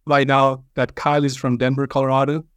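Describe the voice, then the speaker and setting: Man from Nepal, flat measured voice. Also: mid-range voice, clean tone, no echo. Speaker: engineering firm president, guest. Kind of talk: interview answers.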